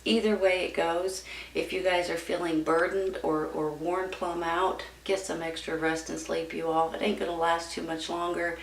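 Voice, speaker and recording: Creaky-voiced woman, roomy distant recording. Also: on the low side, level tone, normal speed. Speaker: tarot reader. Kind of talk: casual tarot reading addressed to viewers. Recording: roomy, distant mic with background noise.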